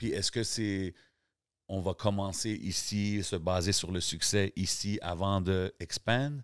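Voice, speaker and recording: A man speaks with a very deep, low pitch and fairly even intonation. The sound is dry with no echo, over a quiet background. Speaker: podcast host. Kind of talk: casual chat. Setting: studio. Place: studio. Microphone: studio mic.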